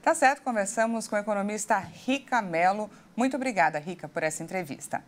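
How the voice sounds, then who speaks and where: A woman in her thirties, a news anchor, reading scripted news reports in a smooth, measured way. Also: mid-range voice.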